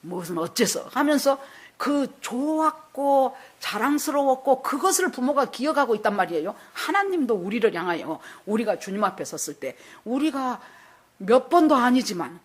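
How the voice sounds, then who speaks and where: Older female pastor, husky, lively storytelling sermon with acted-out dialogue. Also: sits high, normal speed. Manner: storytelling, acting out quoted voices.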